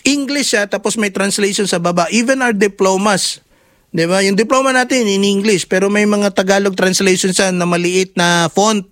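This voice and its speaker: Brief: Filipino-accented man, high-pitched, opinionated chat, dry close sound. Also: brisk, no room sound. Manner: animated, opinionated, quizzes his partner. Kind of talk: casual chat mixing English and Tagalog.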